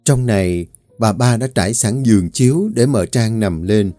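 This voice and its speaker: A man narrating a family drama story in a calm, even storytelling voice. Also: fairly low pitch, moderate pace, dry recording, soft background music.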